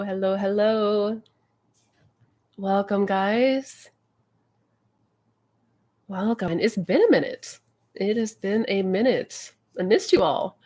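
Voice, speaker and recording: A woman's voice: mid-range voice, a little mellow. A woman hosting a live question-and-answer stream as a coach, chatting casually, a little stuffy and nasal from a cold. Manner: friendly, chatty, many fillers. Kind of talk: casual livestream chat.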